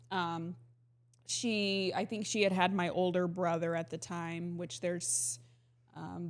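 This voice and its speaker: A woman in her forties with a slightly low voice co-hosts a conversational podcast. She speaks earnestly and personally, in an open, unscripted way. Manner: earnest, personal, with small laughs. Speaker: podcast co-host. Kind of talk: casual conversational talk.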